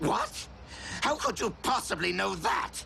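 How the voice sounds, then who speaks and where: A man performs a cartoonish character voice at a moderate pace. Clear background noise runs underneath. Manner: whiny, sarcastic.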